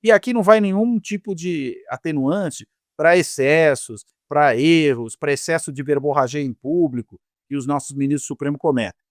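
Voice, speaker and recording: A man with a Brazilian Portuguese accent giving measured, analytical political commentary, often tagging his points with quick questions. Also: fairly high pitch, no echo, studio quality. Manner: measured, lecturing, frequent tag questions. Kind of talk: analytical panel discussion.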